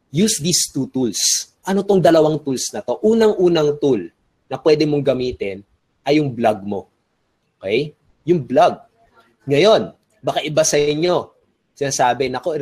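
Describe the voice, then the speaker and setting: A man's voice: a little high, darkish tone, breathy edge. A man from the Philippines giving a webinar lecture on online business, full of energy and often checking in with rhetorical questions, switching between Tagalog and English.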